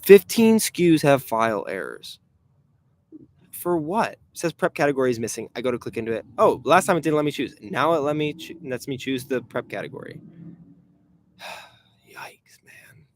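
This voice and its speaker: With slight background noise, a sing-song, medium-pitched voice at normal speed belongs to a twenty-something reseller chatting casually on his live stream. He rambles, reads out questions from chat, and makes frustrated asides about a website that keeps breaking.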